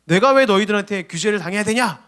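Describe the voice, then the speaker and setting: Brief: man playing a fed-up middle-aged woman who owns a small eatery, loud high protest, raised voice. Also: expressive, quick pace. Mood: indignant. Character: indignant middle-aged woman restaurant founder.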